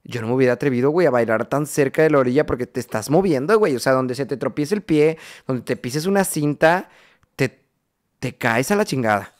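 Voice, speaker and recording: A man with a Mexican Spanish accent hosting a casual video reaction, expressive and quick to swear and joke. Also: medium pitch. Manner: expressive, swears freely, gushes and jokes. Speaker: host reacting to music videos.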